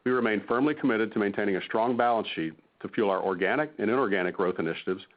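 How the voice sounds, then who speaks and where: Man on a phone-like conference line. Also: on the low side. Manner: formal, measured reading of figures. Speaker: company finance executive. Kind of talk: scripted earnings call presentation.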